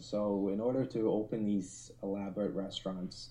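Pitched fairly low with a dark, mellow tone, a man speaks at a fairly slow pace. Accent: Norwegian. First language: Norwegian. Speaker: restaurant critic. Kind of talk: casual interview chat. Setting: remote call from abroad. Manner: halting, many fillers.

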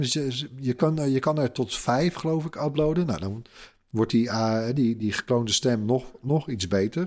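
Recorded very cleanly against a silent background, a man speaks at a fairly slow pace with a medium pitch and ordinary pitch variation. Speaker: tech podcast co-host. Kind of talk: casual chat. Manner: animated; halting.

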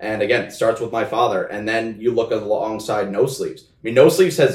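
A man is speaking with fairly even intonation. His voice is somewhat breathy. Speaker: esports commentator. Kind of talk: casual chat.

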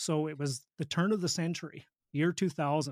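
Recorded dry and close with no echo against a very clean, silent background, a man with a Canadian Prairies accent speaks fairly high with ordinary pitch variation. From Saskatchewan, Canada. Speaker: real estate investor and coach. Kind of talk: interview. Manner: energetic.

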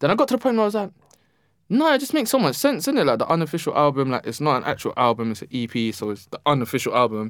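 In a London accent, a man talks at a very fast pace. The recording is very clean, with a silent background. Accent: London, multicultural London English. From East London. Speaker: rapper. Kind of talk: interview.

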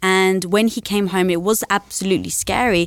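A woman's fairly low voice at a moderate pace, with fairly even intonation and a dry, close sound with no echo, on a very clean recording with a silent background. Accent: English. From London, England. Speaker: entrepreneur, podcast guest. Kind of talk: casual interview conversation.

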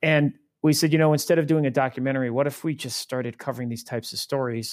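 A man's medium-pitched voice with a slight Boston accent, fairly quick, with fairly even intonation. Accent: slight Boston twang. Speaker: media company founder. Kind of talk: interview.

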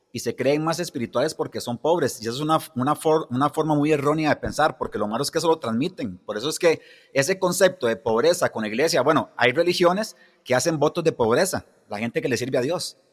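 A man speaks at a fairly high pitch. He talks very fast. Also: ordinary pitch variation, very clean recording, silent background. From Costa Rica. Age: 40s. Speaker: pastor and entrepreneur. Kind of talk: casual chat.

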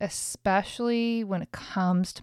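A medium-pitched woman's voice at a very slow pace, with fairly even intonation, recorded dry and close with no echo against a very clean, silent background. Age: 30s. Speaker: podcast host. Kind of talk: personal monologue. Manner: casual with frequent fillers.

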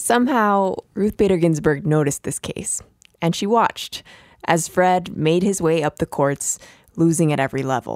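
Lively intonation marks a woman's normal speaking voice at a moderate pace, with a dry, close sound with no echo. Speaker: podcast host and reporter. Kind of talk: narrated radio storytelling with interviews.

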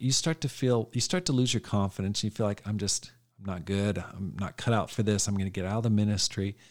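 Fairly low in pitch, a man talks at a fairly quick pace on a very clean recording with a silent background. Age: 50s. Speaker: podcast host and church leadership coach. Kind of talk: motivational talk from a conference lesson. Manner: animated.

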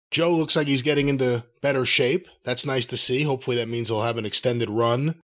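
A man with an ordinary speaking voice and an American accent talks at a fairly quick pace with fairly even intonation. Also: medium pitch for a man. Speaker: podcast co-host. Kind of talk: casual chat.

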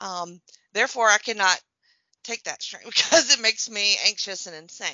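Using a normal speaking voice, a woman talks at a fairly high pitch and a moderate pace, with ordinary pitch variation and big swings in loudness. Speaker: wrestling fan guest. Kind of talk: casual chat.

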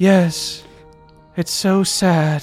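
Faint music plays in the background as a put-on character voice speaks at a middle pitch. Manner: mopey, woeful.

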